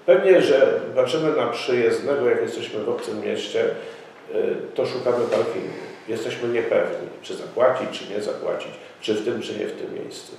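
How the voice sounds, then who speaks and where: A middle-aged man speaks at a press conference in a formal, insistent way, often pausing with fillers. He sits in an office room, picked up by a camera mic set well back. The room is strongly echoey, with faint ambient noise behind him. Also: mid-range voice, creaky, a little mellow, far from the mic. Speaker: local party representative. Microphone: far camera mic.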